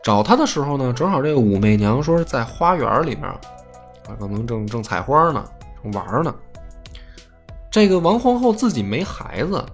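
A man's voice: mid-range voice, normal speed, faint music behind. A man, casually telling a history story as a podcast host and acting out the quotes. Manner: lively, acts out quotes in plain voice.

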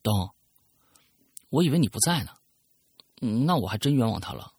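A man's voice: mid-range voice, big pitch swings, moderate pace, a little mellow, breathy edge, no room sound. A man voicing a cheerful but anxious young girl, with his voice raised and complaining. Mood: pleading.

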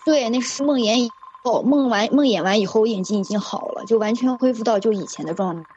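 A woman's voice: a little high, quick pace, darkish tone, highs cut off, slight background noise. A woman, a community health worker, earnestly telling a vivid, repetitive personal story. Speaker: guest telling a ghost story. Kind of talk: casual spoken storytelling.

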